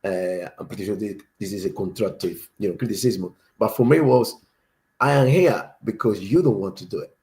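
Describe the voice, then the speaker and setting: A man's voice: fairly low pitch, moderate pace, darkish tone. A man from Cuba with a Cuban Spanish accent, a native Spanish speaker, telling a story in casual chat with a lot of laughter.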